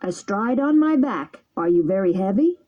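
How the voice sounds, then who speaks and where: A woman doing a calm, kindly big pigeon. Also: mid-range voice, moderate pace, close to an everyday voice. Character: large kindly male pigeon, calm and helpful. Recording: dull lo-fi recording.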